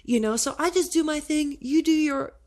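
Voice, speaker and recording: Guest, woman from Canada: low voice for a woman, sitting slightly high, animated and playful storytelling. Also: moderate pace. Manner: animated, playful storyteller who laughs through her stories. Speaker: podcast guest. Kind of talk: casual chat.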